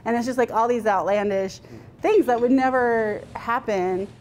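A woman's voice: a little high, normal speed, darkish tone, a little hiss or hum. A woman in her thirties, a restaurant owner, talking candidly in a news interview in her dining room, retelling events. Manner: candid, conversational, tells events with quoted speech.

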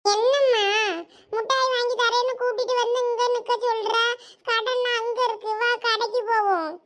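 A woman's voice: extremely high pitch, fairly even intonation, normal speed, a bit bright, far from the mic, voice pushed up. A woman voicing a small village boy with a Thoothukudi Tamil accent who pleads and grumbles for candy. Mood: whining. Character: whiny little village boy, candy-hungry.

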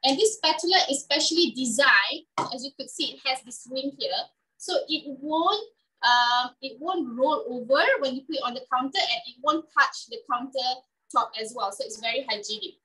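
A woman's voice: high-pitched, moderate pace, sharp tone, distant mic, rough recording. A woman giving a chatty live cooking demonstration in a kitchen, often checking in with "okay?".

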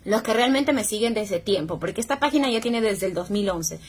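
A woman's voice: medium pitch, lively intonation, a little fast, slightly rough. A middle-aged woman, talking in a rambling, faith-based livestream from home. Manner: chatty, rambling, repeats phrases. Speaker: livestream host.

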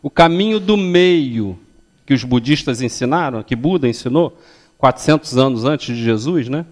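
A man's voice: medium pitch, lively intonation, normal speed. An older man standing in a lecture hall giving a public religious talk, teaching step by step and often checking that the audience follows. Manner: didactic, ends phrases with checking questions; stands and gestures while speaking. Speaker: lecturer at a spiritist center.

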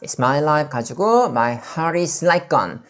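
A woman with a Korean accent, teaching the pronunciation of pop song lyrics. She says each phrase slowly and breaks it apart to show how the sounds join. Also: sits low, animated, loud music behind the voice.

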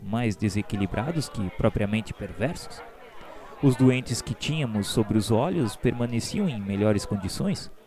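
A man narrating a radio novela from a script in a formal, measured, literary manner. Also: on the low side, warm tone. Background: background music.

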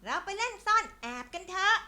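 A woman's voice: extremely high pitch, big pitch swings, brisk, bright, forceful tone, heavily acted. A woman voicing a friendly, industrious little ant in a children's story, speaking plainly with a chiding streak. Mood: friendly, inviting.

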